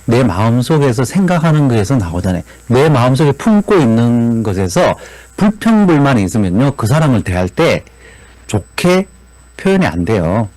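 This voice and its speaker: A man's voice: mid-range voice, moderate pace, no echo, poor audio. A man lecturing at a business seminar, asking the audience rhetorical questions and adding tag questions as he goes. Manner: animated, frequent rhetorical questions, repeated tag "그죠?".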